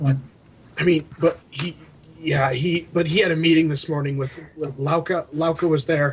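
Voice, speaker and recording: In a put-on character voice, a man sounds raspy at a fairly high pitch and a moderate pace. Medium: actual play. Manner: stammering, hesitant.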